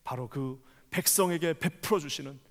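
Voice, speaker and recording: A man preaching a Sunday sermon as pastor, swinging from loud proclaiming to hushed rhetorical questions. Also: a little high, moderate pace, in a large hall. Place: church sanctuary.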